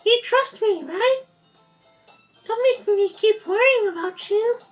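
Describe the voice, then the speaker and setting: A woman voicing a cheerful, clingy high school girl as a plush toy character, pleading and excitable, for a video game dub. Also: takes it slowly, faint music behind. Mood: worried, pleading.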